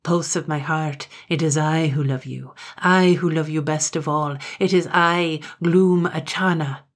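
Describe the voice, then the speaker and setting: A woman doing a gloating, black-hearted Highland man. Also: steady tone, a little slow. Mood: menacing. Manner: gloating, low menace.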